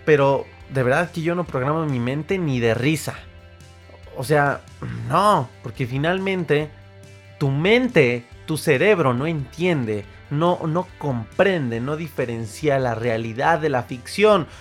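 A man's voice: fairly high pitch, expressive, slow pace, faint music behind. A man with a Mexican accent hosting a motivational podcast monologue, speaking earnestly and emphatically straight to the listener. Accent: Mexican Spanish. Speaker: podcast host.

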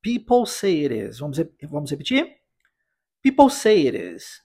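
A man teaching English pronunciation in a podcast lesson, drilling phrases slowly for the listener to repeat. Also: a little high, huge pitch swings, gravelly, warm tone, breathy edge. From United States.

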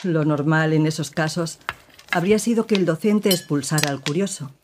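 An actress playing a woman who gravely recounts her partner's past in an audio drama, with measured, serious storytelling. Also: low-pitched, noisy background, close to an everyday voice.

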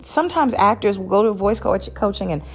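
A woman's voice: mid-range voice, animated, fairly quick, slight background noise. A woman hosting a casual solo podcast, chatting in a rambling way with many fillers and restarts. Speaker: podcast host.

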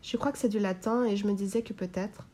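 A woman reading a novel aloud in the first person, with a measured, even delivery. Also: mid-range voice. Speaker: reader.

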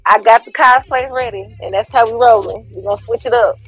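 A woman's voice: a little high, brisk, husky, no room sound, soft background music. A woman co-hosting a podcast, chatting playfully and laughing as she acts out quotes. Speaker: podcast co-host. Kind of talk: casual chat.

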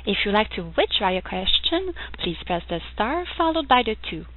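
A woman's voice: mid-range voice, sing-song, moderate pace. A woman working as a conference call operator, giving scripted, formal instructions to callers. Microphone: telephone conference line. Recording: narrow tinny phone-line audio.

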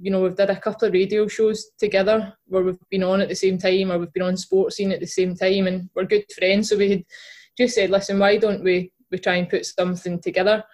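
In a casual interview, a young Glaswegian woman from Scotland, a footballer and podcast co-host, speaks as a guest, often using fillers and restarting. Her mid-range voice is darkish and flat in delivery, running a little fast.

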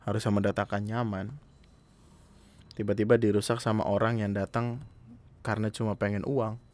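A man's voice: fairly low pitch, little pitch movement, normal speed, darkish tone. A young man, earnestly commenting in a casual monologue, speaking straight to his listeners. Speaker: podcast host.

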